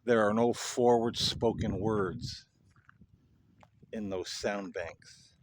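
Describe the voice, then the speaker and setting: A man hosting a paranormal video, talking casually and earnestly to viewers in halting phrases. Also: fairly low pitch, slight background noise. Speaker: paranormal investigator, video host. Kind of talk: casual explanatory monologue to viewers.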